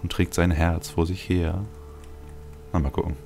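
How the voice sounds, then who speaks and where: A man with an extremely low, creaky voice talks casually through a video game as host. His asides are wry and dry-humoured as he thinks aloud. Music plays behind him. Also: little pitch movement, unhurried, darkish tone. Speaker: let's play host.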